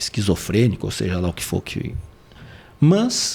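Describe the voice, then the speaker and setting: The speaker is a man. His pitch is fairly low. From southern Brazil, Porto Alegre (Rio Grande do Sul). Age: 60s. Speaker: near-death experience survivor, spiritual guide. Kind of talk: interview testimony. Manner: halting, with fillers.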